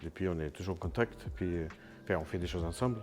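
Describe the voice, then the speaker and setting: An Italian-born man speaking as an interview guest, with an Italian accent, talking in a halting way with many pauses. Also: deep voice. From Italy. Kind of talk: casual interview chat.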